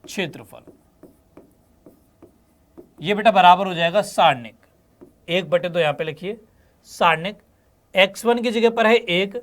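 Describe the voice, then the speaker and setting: Speaking a little slowly with frequent pauses, a man with a high-pitched, fairly bright voice walks students through maths solutions one step at a time. He's patient, addresses them as "beta" and "bachche," and checks in often to make sure they understand.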